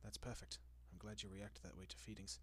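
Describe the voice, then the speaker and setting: Man playing a husky, genteel old vampire. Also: on the low side, little pitch movement. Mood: doting, pleased. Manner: genteel, softly coaxing, lingering pauses. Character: centuries-old male vampire, doting, courteous, possessive, refined. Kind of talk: intimate roleplay audio acting.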